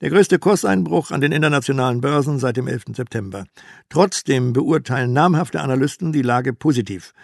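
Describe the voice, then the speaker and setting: An older man in his eighties playing a reassuring male stock-market expert on television, speaking loud and bland. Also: mid-range voice, expressive, a little fast, creaky, dry recording, clean studio sound. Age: 80s.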